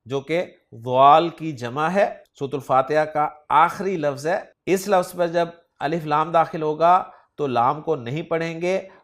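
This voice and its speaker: Man, grammar lecture, slightly high voice, very slow, repeats each rule. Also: fairly bright tone. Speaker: Arabic grammar teacher. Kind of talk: recorded lecture.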